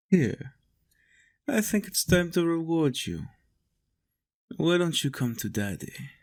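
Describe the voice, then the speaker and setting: A man playing a possessive, doting vampire master in an intimate roleplay monologue, coaxing and teasing with soft menace. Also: mid-range voice. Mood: pleased, commanding.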